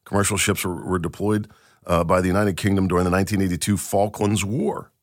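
A man's voice: deep voice, steady tone, a little fast, no room sound, clean studio sound. A man hosting a podcast, giving emphatic, enthusiastic commentary and reading from an article. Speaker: podcast host.

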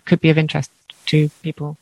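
A woman's voice: deep voice, completely flat delivery, fast talker, gravelly, a little mellow, no room sound. A woman co-hosting a podcast in casual chat, reading out a listener email and laughing often. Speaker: podcast co-host.

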